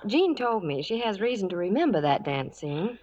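Animated woman radio reporter, vintage sound. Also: medium pitch, normal speed. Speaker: Hollywood reporter. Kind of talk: scripted 1940s radio chat and ad. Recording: muffled vintage radio recording.

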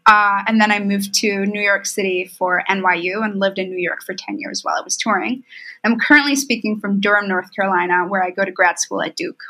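Woman, 30s, from Romania, tour manager guest, bright tone, storytelling. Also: mid-range voice, brisk, poor audio. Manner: storytelling, quotes others with lively asides. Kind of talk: casual interview chat. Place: remote call from home.

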